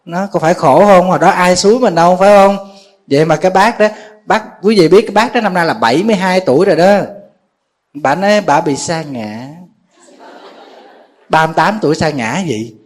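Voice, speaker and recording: A man's voice: high-pitched, animated, brisk. A man with a Southern Vietnamese accent, a Buddhist monk giving a folksy sermon to a live audience, often asking his listeners questions.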